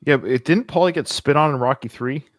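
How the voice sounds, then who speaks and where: A man's voice: medium pitch, fast talker, no echo, clean studio sound. A man co-hosting a podcast, chatting casually about a movie as he watches it and acting out quoted lines. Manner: animated, acts out quoted lines. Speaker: podcast co-host. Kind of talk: casual film commentary chat.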